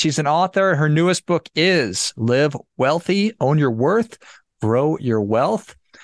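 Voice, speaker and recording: Someone with an American accent talks at a moderate pace with ordinary pitch variation, in a dry, close sound with no echo and a quiet background. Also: man. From Minnesota, Duluth. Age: 40s. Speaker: podcast host, financial advisor. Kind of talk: interview podcast.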